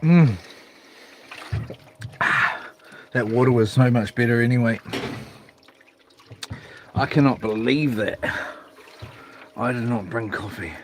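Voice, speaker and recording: A man's voice: medium pitch, takes it slowly, long pauses. A man with a broad New Zealand accent chatting casually and slangily in a laid-back livestream, talking to himself and his viewers from a small boat. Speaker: fishing livestreamer. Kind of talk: casual rambling livestream chat. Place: outdoors on a small boat on the water. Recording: noisy outdoor boat recording, water and clicks.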